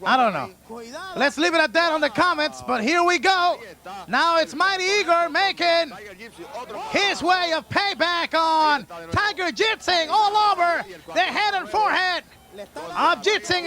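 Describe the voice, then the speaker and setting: A man calling a wrestling match play-by-play as a lucha libre announcer, with an excitable manner. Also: extremely high pitch, unhurried.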